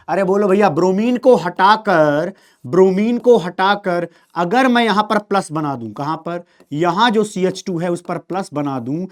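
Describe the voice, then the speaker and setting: A man teaching chemistry in an exam-prep lecture, animated, prodding students with questions and speaking for the molecules in first person. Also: sits high. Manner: acts out molecules in quoted first-person voices.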